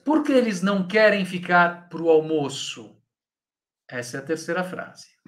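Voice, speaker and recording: A man with a Brazilian Portuguese accent leads a live Italian lesson at an unhurried pace. His voice sits a little high, and he patiently corrects students by name. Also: animated. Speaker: Italian teacher. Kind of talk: live online language lesson.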